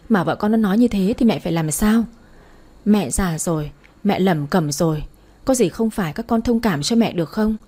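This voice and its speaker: Woman narrator doing a sharp-tongued old mother-in-law, storybook read, mellow husky tone, wailing complaints. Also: medium pitch, lightly acted. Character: scolding, dramatic elderly mother-in-law.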